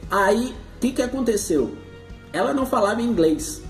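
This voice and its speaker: A man's voice: very high-pitched, lively intonation, moderate pace, faint music behind. A Brazilian man with a Brazilian Portuguese accent, chatting jokily as co-host of a Christian family show. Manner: chatty, jokey, many restarts and laughing asides. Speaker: co-host, husband and father. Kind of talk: casual Christian family talk. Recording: echoey room.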